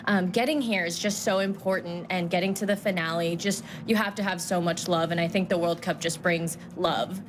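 A woman's voice: fairly low pitch, fairly even intonation, normal speed, hardly any pauses, background noise. A woman football fan answering interview questions in an effusive way in a sports bar. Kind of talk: on-location interview.

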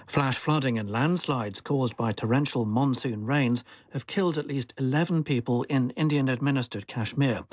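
A male newsreader reading a scripted world news bulletin in a measured, formal way. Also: mid-range voice, a little mellow, breathy edge, dry recording. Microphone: studio microphone.

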